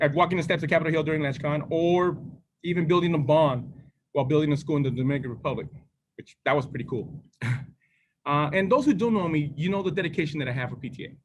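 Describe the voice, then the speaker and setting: A man's voice: on the high side, background noise. A man from Arizona giving an upbeat campaign speech for a board seat, joking lightly and restarting phrases. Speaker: board candidate.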